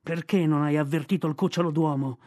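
A man's voice: on the high side, steady tone, fairly quick, a little mellow, natural voice. A man voicing a furious female panther who growls and scolds. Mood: angry scolding.

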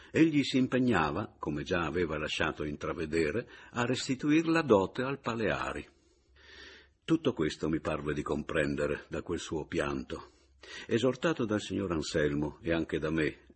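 A man narrating a classic novel as an audiobook, with a low, husky voice. He reads in a measured, reflective way. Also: very animated. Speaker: audiobook reader.

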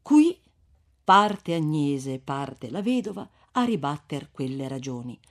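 A man reading a classic novel aloud in expressive storytelling narration. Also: a little high, takes it slowly. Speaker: reader.

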